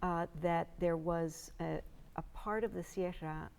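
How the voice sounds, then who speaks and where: Low, gravelly-voiced woman filmmaker. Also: fairly even intonation, unhurried, darkish tone. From United States. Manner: reflective, with frequent fillers and restarts. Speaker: filmmaker guest. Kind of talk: interview answers.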